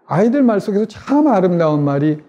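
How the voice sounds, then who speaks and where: A man's voice: high voice, big pitch swings, a little fast, dark tone, lo-fi sound. A middle-aged man teaching parents in a lecture, asking them questions and acting out everyday examples. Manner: asks the audience questions and acts out examples.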